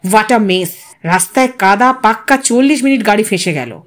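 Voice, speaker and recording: A woman voicing a brisk, impatient young male TV reporter in a story, complaining and mixing English into his speech. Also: mid-range voice, animated, lightly acted. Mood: exasperated.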